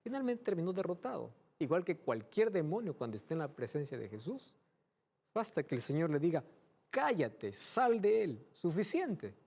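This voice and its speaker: Pastor guy preaching, gravelly voice, asks lots of questions. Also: fairly high pitch, a little fast. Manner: animated, rhetorical questions. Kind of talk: sermon.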